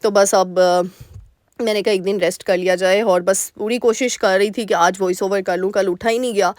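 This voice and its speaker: A young woman with a sore throat doing a chatty voice-over for her cooking vlog, recorded in a small dark store room. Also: medium pitch, steady tone, normal speed, dry recording, clean studio sound. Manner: warm, chatty, homely advice-giving. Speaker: vlogger homemaker.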